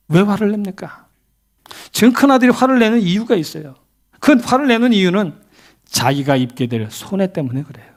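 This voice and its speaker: A middle-aged male pastor gives a sermon in a church. His voice sits fairly high and swoops up and down as he tells stories. He keeps asking the congregation questions. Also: darkish tone. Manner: storytelling preacher, asks the congregation questions. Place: church sanctuary.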